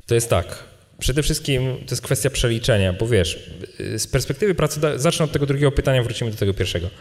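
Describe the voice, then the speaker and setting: A man answers questions in an informal talk, wandering into asides and checking in with short tag questions. His medium-pitched voice rings through a hall with long reverb. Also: animated, quick pace. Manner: digressive, often adds tag questions. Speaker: speaker answering audience questions. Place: event hall at a live meetup.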